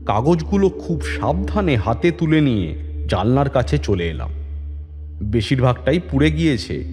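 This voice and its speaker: A man narrating a detective story in the first person and voicing the police inspector with a measured, authoritative manner. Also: mid-range voice, very animated, darkish tone. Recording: long reverb with music bed.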